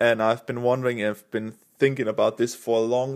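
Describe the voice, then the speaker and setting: Speaking with a Danish accent, a man keeps a medium pitch and a monotone, flat intonation at a moderate pace. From Denmark. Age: 20s. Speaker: podcast host, physiotherapist. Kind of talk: solo podcast monologue, casual. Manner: halting, fumbling for words, casual.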